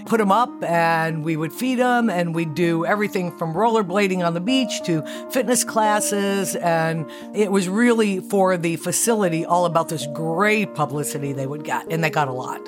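A woman's voice: fairly low pitch, moderate pace, hardly any pauses, over music. Enthusiastic woman telling her story. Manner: enthusiastic, animated, acts out quotes. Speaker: guest, fitness studio founder. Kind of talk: conversational interview storytelling.

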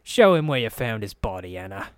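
A man's voice: lowish voice, very animated, brisk, dry recording. A sly underworld boss acted out by a man talks with silky, mock-courteous menace. It is theatrical fantasy storytelling, recorded close and dry. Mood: sly, amused.

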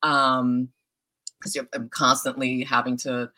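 A woman's voice: rumbling low, level tone, slow pace, pushed and bright. A woman, an actress and founder, answering interview questions in a chatty way with many hesitations. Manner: chatty, many ums, laughs easily.

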